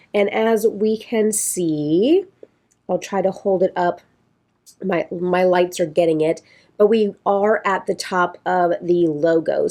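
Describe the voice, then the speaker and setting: Hoarse from a sinus infection, a beauty vlogger chats casually with her viewers in a raspy, congested voice. Her mid-range voice has a slightly mellow quality, and she rambles in a friendly way, often circling back and restarting sentences.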